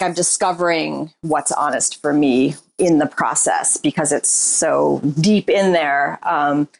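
A woman guest, a writer and performer, talking candidly and reflectively in a casual interview, often pausing on "like" and "you know.". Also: on the low side. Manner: describes herself as shy and introverted.

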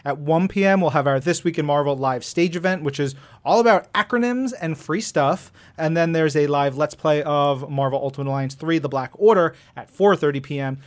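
A man co-hosting a podcast, chatting casually and briskly running through news and event schedules. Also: a little high. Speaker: podcast co-host. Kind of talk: casual chat reading show news.

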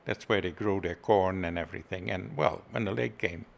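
A man's voice: low voice, normal speed, vocal fry. A man from the Netherlands with a Dutch accent, who works as a city's visitor services director, chatting casually in an interview and laughing easily.

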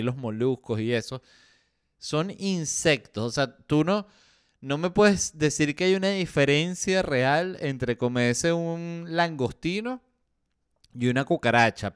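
Smooth-voiced Venezuelan man joking on a podcast. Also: fairly high pitch, no room sound, clean studio sound. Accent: Venezuelan Spanish. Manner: joking, acts out quoted voices, lots of fillers. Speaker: podcast host. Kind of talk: casual comedic podcast chat.

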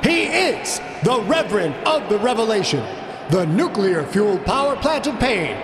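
A man voicing a male ring announcer who stretches and shouts his words to hype a crowd. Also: high voice, big pitch swings, normal speed, noisy background, voice pushed up. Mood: booming. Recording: roaring crowd behind.

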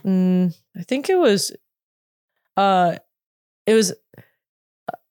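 A woman's voice: mid-range voice, lively intonation, a little mellow, clean tone, no room sound. Rambling woman in her twenties, dry sound. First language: English. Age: 20s. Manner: halting, full of "like" and restarts. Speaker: interview guest, former K-pop idol. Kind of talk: casual interview talk.

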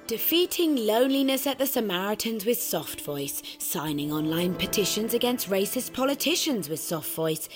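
An actress narrating a comedy as a gentle, soft-spoken narrator. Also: female voice, mid-range voice, moderate pace, few pauses, natural voice. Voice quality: soft, calm delivery. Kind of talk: scripted comic narration. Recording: music playing behind.

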